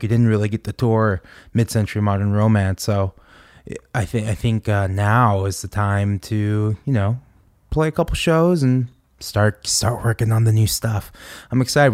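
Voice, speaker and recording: A young adult man hosting a podcast, rambling and halting with many restarts, as he talks casually about touring and new songs. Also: on the low side, darkish tone, dry recording, clean studio sound. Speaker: podcast host and touring musician. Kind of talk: casual podcast monologue and interview.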